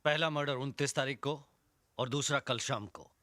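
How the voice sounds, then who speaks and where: A man's voice: medium pitch, normal speed, sharp tone, no echo, clean studio sound, natural voice. An actor playing a stern police inspector, commanding as he interrogates a suspect in a Hindi film scene.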